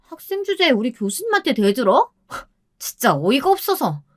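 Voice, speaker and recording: A woman's voice: sits high, sing-song, moderate pace, no room sound, clean studio sound, pitched above the performer's own voice. A woman voicing a young female salon employee who mocks a rude customer scornfully. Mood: mocking. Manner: taunting, scornful.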